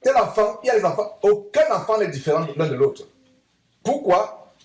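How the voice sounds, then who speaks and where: A man's voice: sits high, big pitch swings, normal speed, a little mellow, echoey room, poor audio. A man preaching a sermon to his congregation, emphatic, asking rhetorical questions and repeating lines. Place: church assembly hall.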